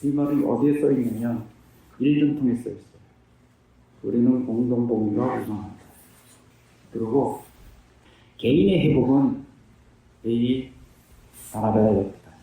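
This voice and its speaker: A man's voice: medium pitch, normal speed, pauses often, warm tone. A man in his fifties sharing his recovery testimony in an earnest, plain-spoken way, asking himself questions and answering them. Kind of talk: personal testimony talk. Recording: very echoey room, distant mic.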